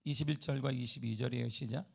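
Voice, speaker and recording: A male pastor preaching a sermon, switching between lively storytelling with acted-out voices and slow, solemn scripture reading. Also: mid-range voice, creaky, slightly rough. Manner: animated preaching with acted-out quotes.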